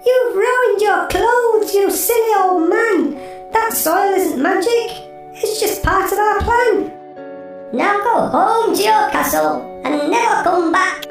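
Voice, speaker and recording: A man voicing a group of little red robots in a children's storybook, in a very high creaky voice. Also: slow pace, very echoey, recorded from a distance, faint music behind, heavily acted. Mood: scolding. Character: sad but cheeky red robots, high-pitched. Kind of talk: storybook reading.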